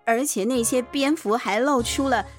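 A woman with a Taiwanese Mandarin accent, hosting and narrating children's bedtime stories in an expressive, chatty way with explanatory asides. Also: on the high side, normal speed, faint music behind. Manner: expressive, chatty explaining with sentence-end particles. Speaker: podcast host and storyteller, a mother.

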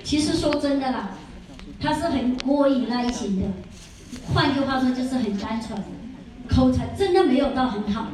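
A woman, a skincare consultant telling lively stories at a seminar, chatty and animated, laughing often and quizzing her audience. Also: high voice, moderate pace, crowd noise. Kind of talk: lively storytelling lecture. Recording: very echoey room from far off.

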